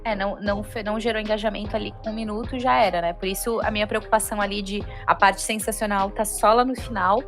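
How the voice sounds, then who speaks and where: A Brazilian woman talks quickly in a casual review chat. Her voice sits at a medium pitch, with music clearly playing behind her. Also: steady tone, fairly bright tone. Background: background music.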